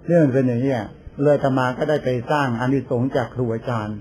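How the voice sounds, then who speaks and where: Older monk telling stories in a sermon. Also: male voice, medium pitch, fairly even intonation, fast, darkish tone, slight background noise. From Thailand. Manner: chatty storytelling with laughs and quoted voices. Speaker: Buddhist monk. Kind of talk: informal sermon.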